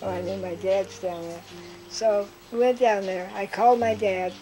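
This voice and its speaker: Older woman, lively storyteller. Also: mid-range voice, normal speed, poor audio. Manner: lively storyteller who acts out quotes with laughs. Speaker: interviewee. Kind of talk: recounting life memories.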